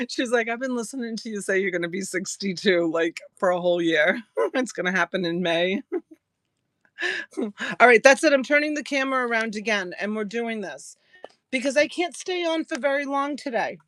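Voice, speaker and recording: A woman in her early sixties sells jewelry on a live stream, chatting casually with viewers in a mid-range, fairly bright voice. She laughs often and thanks buyers by name, and there's no room sound.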